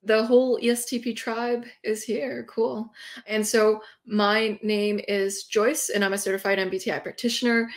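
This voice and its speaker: A woman's voice: a little high, flat delivery, moderate pace. Upbeat woman hosting a video call. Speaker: host. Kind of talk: casual group video call.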